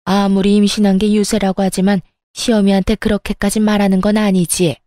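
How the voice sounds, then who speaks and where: A woman puts on a spiteful middle-aged mother-in-law from a dramatized story, dropping her voice lower and dragging out her scolding lines. The tone is mellow and dark rather than bright, heard dry and close with no room around it. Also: little pitch movement, fairly quick, no room sound, natural voice. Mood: accusing. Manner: sneering, berating.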